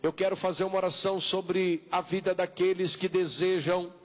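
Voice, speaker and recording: High-voiced Brazilian preacher, insistent. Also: male voice, flat delivery. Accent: Brazilian Portuguese. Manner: insistent, repetitive exhortation with drawn-out calls. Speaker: pastor leading an altar call. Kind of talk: evangelical sermon, altar call and prayer.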